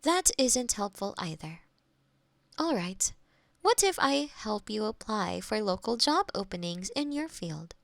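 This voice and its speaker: A woman's voice: mid-range voice, very animated, unhurried, gravelly, dry recording. A woman playing a polite AI girlfriend eager to please, speaking in stilted, precise phrases in an intimate close-miked roleplay. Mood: politely helpful. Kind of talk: scripted intimate roleplay audio. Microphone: close binaural microphone.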